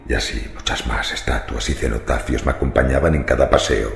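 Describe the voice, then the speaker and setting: A man's voice: steady tone, brisk. A man playing a macabre, brooding cemetery wanderer who confides morbid secrets in a theatrical horror radio monologue. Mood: brooding, eerie. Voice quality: very deep, gravelly creaking voice. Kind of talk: dramatic first-person horror radio monologue. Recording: roomy reverberant voice over music. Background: faint music.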